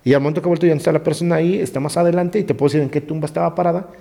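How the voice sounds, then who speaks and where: A middle-aged man with a Mexican accent, a gravedigger telling ghost stories in a lively way, often dropping into hushed tones. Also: rapid-fire, creaky. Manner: vivid storyteller who sinks into hushed low tones. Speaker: gravedigger guest. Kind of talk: animated ghost-story telling in conversation. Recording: roomy reverb.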